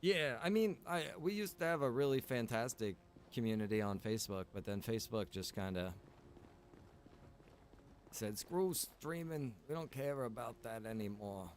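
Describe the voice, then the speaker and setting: A man's voice: medium pitch, normal speed, slight background noise. A man streaming a game, chatting casually with viewers and thinking aloud in a rambling way. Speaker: game streamer and server operator. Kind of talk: casual livestream chat while gaming.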